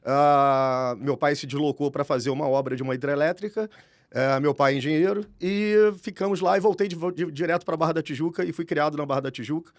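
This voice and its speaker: A man from Rio de Janeiro speaking with a Carioca accent, an animated and talkative podcast guest. His voice sits fairly high and carries a gravelly rasp. The recording is close and dry. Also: brisk, no echo. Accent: Carioca Brazilian Portuguese. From Rio de Janeiro, Brazil. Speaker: guest executive. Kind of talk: podcast interview.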